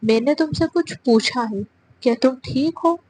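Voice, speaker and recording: A woman doing a brash young hero: gruff, quick to anger, storybook audio drama, voiced a bit high. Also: darkish tone, a little hiss or hum, natural voice, rough recording. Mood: firm. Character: brash short-tempered young man, the hero.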